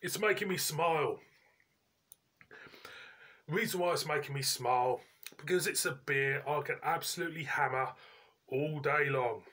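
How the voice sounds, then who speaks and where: A man, giving a casual, chatty review in colloquial, halting phrases as host. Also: a little high, pushed and bright. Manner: informal, colloquial, pauses mid-sentence. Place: indoors, living room at home.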